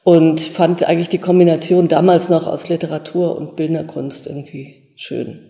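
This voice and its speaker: A woman's voice: low voice, level tone, normal speed, gravelly, warm tone. A woman in her sixties, a stage design professor, talking in an interview in a loose, rambling way with many fillers. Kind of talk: relaxed interview talk. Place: office with bookshelves. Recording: echoey room with long reverb.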